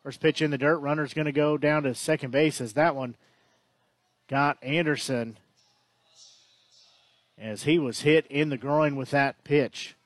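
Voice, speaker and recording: A man's voice: on the high side, fairly even intonation, measured pace, pauses often, no room sound. A man calling a baseball game play by play, chatty and often correcting himself. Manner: conversational, self-correcting. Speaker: play-by-play announcer. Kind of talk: baseball commentary.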